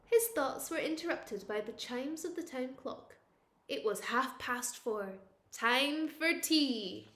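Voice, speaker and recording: A woman reads a children's picture book aloud like a teacher at storytime, expressive and playful. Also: high-pitched, takes it slowly, roomy sound. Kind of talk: animated children's storytime reading.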